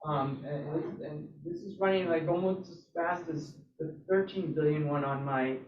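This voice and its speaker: A man giving a casual live demo at a club meetup, halting and thinking aloud as he goes. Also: a little high. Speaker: presenter at a robotics club meetup. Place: indoor hybrid club meeting, away from mic. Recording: roomy, distant, dull meeting-room sound.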